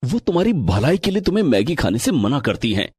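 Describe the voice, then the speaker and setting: A caring, gentle young husband, voiced by a man for a cartoon. The voice is husky and sits in a middle pitch. It is recorded close and dry. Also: big pitch swings, fairly quick, no echo. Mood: concerned. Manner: gentle, concerned.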